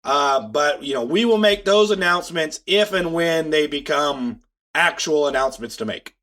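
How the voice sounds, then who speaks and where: A man's voice: a little high, moderate pace, fairly bright tone. A man co-hosting a casual podcast, stuffed up with a cold, speaking in an earnest, upbeat way. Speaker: podcast co-host.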